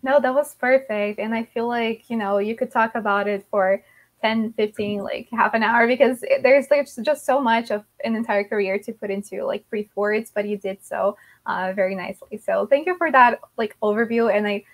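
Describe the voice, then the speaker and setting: Hosting an online interview for an English learners' club, a woman talks in a fairly high voice at normal speed. She's chatty, full of likes and restarts, and comes through a video call.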